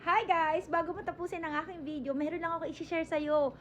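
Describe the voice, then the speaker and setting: A woman's voice: very high voice, fairly even intonation, fairly quick, noisy background. A young woman, a family vlogger talking casually to her viewers, chatty and often laughing. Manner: chatty, laughing, coaxing the kids. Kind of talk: casual family vlog and direct-to-camera pitch.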